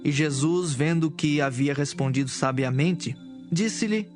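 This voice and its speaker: A man's voice: fairly high pitch, measured pace, faint music behind. A man with a Brazilian accent giving scripted narration of scripture as a narrator.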